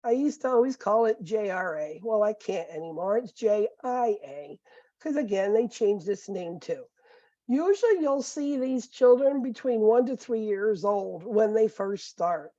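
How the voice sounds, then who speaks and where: A middle-aged nursing professor with a squeaky voice, giving a conversational recorded lecture full of fillers and asides. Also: female voice, expressive, measured pace, warm tone, no echo. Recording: dull, muffled lecture recording.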